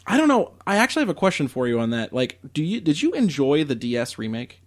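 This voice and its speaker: A man's voice: medium pitch, sing-song, fast. Young man, podcast co-host, casual chat, enthusiastic, laughs often, lots of "like". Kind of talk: casual chat about video games.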